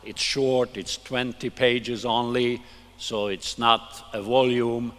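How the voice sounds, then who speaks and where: Older hungarian guy giving a talk, slow careful english, lots of restarts, echoey conference hall. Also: mid-range voice, little pitch movement, fairly bright tone. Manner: halting, deliberate, with many restarts. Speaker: conference speaker. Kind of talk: academic lecture. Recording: long hall reverb.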